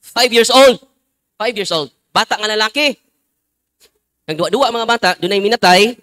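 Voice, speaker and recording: A Catholic priest giving a humorous sermon, teasing the congregation and telling stories. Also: male voice, sits high, moderate pace, pushed and bright. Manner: jokey, teasing the congregation, mixing in English phrases.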